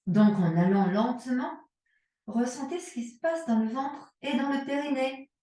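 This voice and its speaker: A woman yoga instructor calmly cueing breath and movements, leading a guided yoga and strengthening class. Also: sits high, moderate pace, distant mic. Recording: echoey room, voice from away from the mic.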